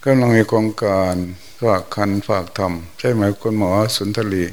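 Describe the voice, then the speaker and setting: An older man with a lilt, a monk giving a folksy, unhurried Dhamma talk. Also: on the low side. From Thailand. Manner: folksy, unhurried storytelling with exclamations. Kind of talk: sermon.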